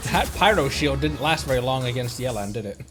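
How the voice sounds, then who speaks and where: A man's voice: medium pitch, expressive, fairly quick, over music. A man casually commenting as he livestreams a video game, musing aloud to himself.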